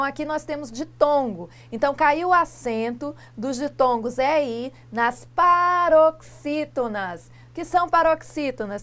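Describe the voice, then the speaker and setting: A woman teacher from Brazil explaining grammar rules in a lesson, asking rhetorical questions and pronouncing example words slowly. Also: high voice. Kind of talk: classroom lesson dialogue.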